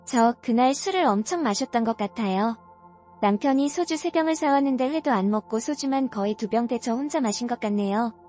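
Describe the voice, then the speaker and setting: A woman narrating a first-person story for a story channel, earnest and confiding. Her voice sits a little high, and soft music plays underneath throughout. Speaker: story reader.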